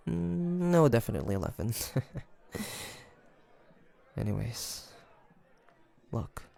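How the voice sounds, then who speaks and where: Man acting a halting, gravelly young demon hunter. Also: mid-range voice, mellow. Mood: reminiscing. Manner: halting, murmured musing, stammers when flustered. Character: young male demon hunter of 1853, hesitant, gentle, curious. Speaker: voice actor in an audio roleplay. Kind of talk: intimate audio roleplay acting.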